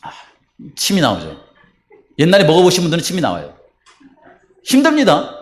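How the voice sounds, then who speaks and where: A man's voice: a little high, wildly swooping pitch, fast talker. A man preaching as pastor at a church baptism service, posing questions to the congregation and answering them himself. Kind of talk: sermon and baptism rite. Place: church sanctuary.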